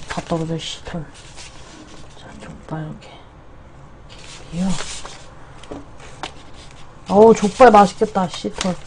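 A woman's voice: lowish voice, noisy background. A young woman chatting casually with viewers as the host of an eating livestream from a small room. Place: small indoor room at home.

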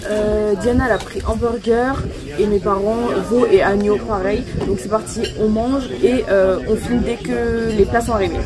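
A woman's voice: medium pitch, fairly even intonation, moderate pace, crowd noise. A young woman chatting casually through a travel vlog, with lots of fillers, filmed on a handheld camera. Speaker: vlogger. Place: outdoors and at restaurant terraces.

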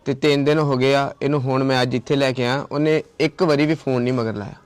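Speaking quickly with a steady tone, this medium-pitched man is captured in a dry recording. An ashram caretaker from Tarn Taran district, Punjab, he insists on his side during a confrontational on-location video, repeating himself and relaying what was said on phone calls.

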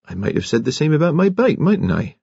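A man voicing a brisk, cheerful female district nurse with a hearty, bustling manner, as part of a story reading. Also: fairly high pitch, big pitch swings, creaky, mellow, breathy edge, no room sound, dull audio, pitched above the performer's own voice, exaggerated voice. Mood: brisk, cheery. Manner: hearty, bustling, chirpy turns of phrase.

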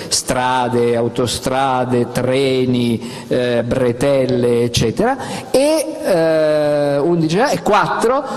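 A middle-aged man presenting his book on a festival stage into a handheld microphone, animated and gesturing, with frequent fillers. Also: fairly high pitch, long reverb tail. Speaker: author at a book talk. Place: outdoor festival stage with audience.

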